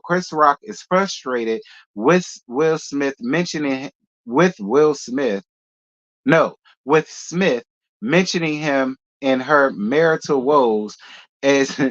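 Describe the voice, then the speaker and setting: A man's voice: on the high side, fairly bright tone. A man hosting casual gossip commentary in a sassy, chatty way with laughing asides. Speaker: host. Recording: dull lo-fi.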